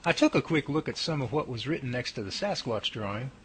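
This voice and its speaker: A man's voice: mid-range voice, expressive, fairly quick, a little hiss or hum, lightly acted. A man acting a folksy, earnest Bigfoot researcher in a radio drama, full of old-fashioned exclamations and homespun idioms. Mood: matter-of-fact. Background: music.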